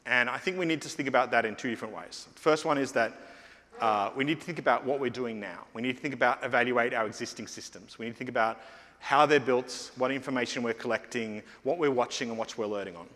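A man's voice: mid-range voice, fast, fairly bright tone. A middle-aged man giving a conference keynote on stage, talking conversationally with frequent fillers and restarts. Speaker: keynote speaker. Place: large conference hall stage. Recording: long hall reverb.

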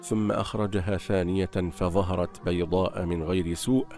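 Low-voiced male storyteller, solemn. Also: fairly even intonation, moderate pace. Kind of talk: scripted religious story narration. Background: soft background music.

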